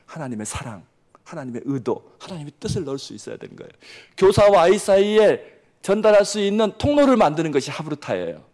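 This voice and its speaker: A man in his forties from Jeolla, preaching a sermon as pastor with lively storytelling that swings between loud and hushed. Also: fairly high pitch. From Jeolla, South Korea.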